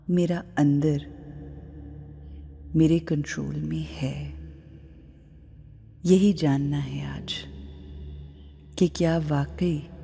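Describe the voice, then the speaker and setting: A woman guiding a meditation in measured, deliberate phrases with pauses. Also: low voice, warm tone, husky. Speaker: guided meditation guide. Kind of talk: slow guided meditation. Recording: long reverb, music underneath. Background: background music.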